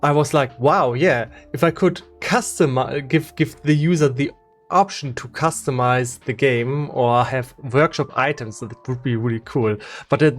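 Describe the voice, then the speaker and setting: A man with a German accent, a game developer chatting casually with viewers on a live stream, with frequent restarts and pauses. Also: medium pitch. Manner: halting, many restarts and ums.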